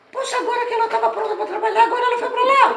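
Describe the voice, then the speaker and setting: Her pitch swings very widely as the woman speaks. Audible room echo hangs around the voice. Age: 70s. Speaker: pastor. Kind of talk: testimony. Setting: house church gathering.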